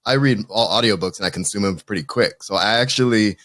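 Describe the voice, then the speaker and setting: A man's voice: lowish voice, fast talker, a bit bright, no room sound, clean studio sound. A man hosting a podcast interview, chatting casually and offering enthusiastic praise. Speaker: podcast host.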